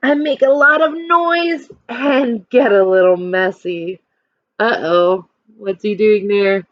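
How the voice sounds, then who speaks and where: A woman's voice: mid-range voice, takes it slowly, no echo, muffled recording. A woman teacher reading a children's picture book aloud expressively, stopping to explain and put questions to young listeners.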